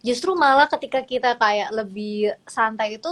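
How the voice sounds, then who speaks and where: A woman hosting a casual live-stream chat, asking lively follow-ups and often murmuring agreement. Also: a little high, moderate pace. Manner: frequent soft backchannels, lively follow-up questions. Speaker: host, news presenter. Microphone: live-stream phone mic.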